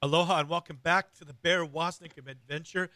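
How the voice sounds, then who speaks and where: Hoarse, raspy middle-aged male radio host. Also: fairly high pitch, fairly even intonation, brisk, sharp tone, no room sound. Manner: earnest, rambling with many fillers and restarts.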